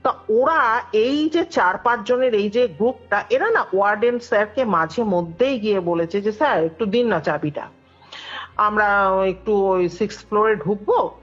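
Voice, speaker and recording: A woman's voice: mid-range voice, normal speed, slightly rough. A woman telling a story conversationally, acting out the dialogue as she goes. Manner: animated, acts out quoted dialogue. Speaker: guest telling a ghost story. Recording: dull lo-fi call recording with music behind. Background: background music.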